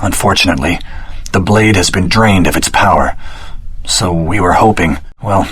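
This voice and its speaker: A man playing an earnest, determined swordsman hero in a video game, speaking in a measured, serious way with a husky voice. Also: low-pitched, fairly bright tone. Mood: polite, composed. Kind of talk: video game voice acting, cutscene dialogue.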